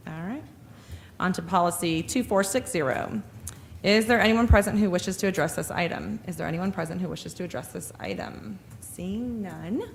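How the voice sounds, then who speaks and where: A woman chairing a school board meeting, reading agenda items in brisk, repetitive, formal phrasing into a table microphone. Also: on the low side, a little hiss or hum.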